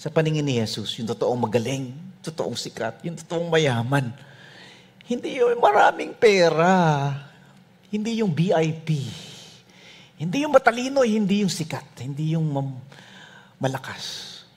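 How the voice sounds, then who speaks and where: A male pastor preaches with humorous, animated storytelling and often drops to soft asides. His voice is husky. His pitch swings widely as he tells the story. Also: a little slow. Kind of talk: sermon.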